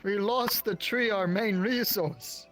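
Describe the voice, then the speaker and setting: A man roleplaying in an online virtual world, talking in a blunt, grumbling, rough-spoken way. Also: high-pitched, slow, fairly bright tone, soft background music. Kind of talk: casual in-character roleplay chat.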